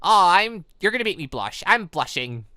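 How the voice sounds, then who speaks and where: A let's player voicing an excitable, earnest teenage girl heroine from a visual novel, gushing and eager. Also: medium pitch, moderate pace, no room sound. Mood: bashful.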